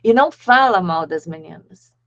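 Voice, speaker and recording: A woman academic giving a discussant's comments on a video call, thinking aloud with many halting restarts. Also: on the low side, lively intonation, a bit bright. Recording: dull lo-fi call audio.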